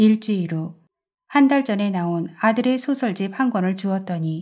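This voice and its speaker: At a fairly slow pace, a woman speaks in an unremarkable speaking voice of medium pitch with ordinary pitch variation. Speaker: audiobook narrator. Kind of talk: reading aloud.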